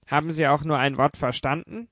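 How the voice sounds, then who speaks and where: A man's voice: on the high side, fairly even intonation, brisk, fairly bright tone, no echo, studio quality, voice pushed up. A man doing a stern, suspicious office manager.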